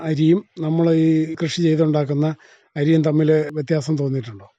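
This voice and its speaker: Very mellow, quick-talking Kerala man interviewing. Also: a little high, fairly even intonation, no echo. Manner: inquisitive, often ends with confirming tag questions. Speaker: radio interviewer. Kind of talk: conversational interview questioning. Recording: dull, band-limited dry radio recording.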